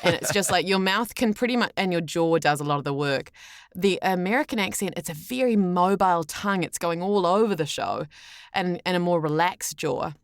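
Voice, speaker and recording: A woman with a New Zealand accent telling stories casually as a podcast guest, animated and quick to act out what people said. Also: lowish voice, no room sound. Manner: animated storyteller, often acts out quoted remarks. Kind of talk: casual anecdotal interview chat.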